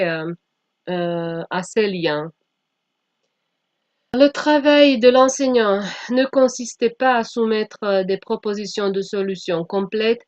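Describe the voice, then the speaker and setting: A woman from Slovakia, a non-native speaker whose first language is Slovak, giving an academic presentation in a halting way with frequent self-corrections. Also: medium pitch, dry recording. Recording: dull lo-fi microphone sound.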